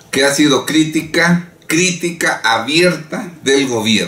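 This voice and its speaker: A man with a Mexican accent speaks at a fairly high pitch. Noticeable background noise can be heard. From Mexico. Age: 60s. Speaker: political commentator. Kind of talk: political commentary monologue.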